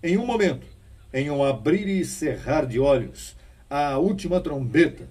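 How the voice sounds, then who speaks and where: A man's voice: fairly high pitch, animated, a little slow, darkish tone, husky, far from the mic. A man preaching a sermon with emphatic rising bursts and rhetorical questions to his congregation.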